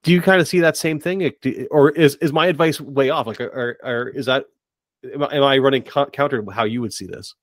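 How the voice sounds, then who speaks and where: A man's voice: medium pitch, a little fast, no room sound, studio quality. A man hosting a podcast, talking conversationally and somewhat tentatively as he rephrases his thoughts. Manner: tentative, hedging, circles back to rephrase. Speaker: podcast host. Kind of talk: conversational interviewing.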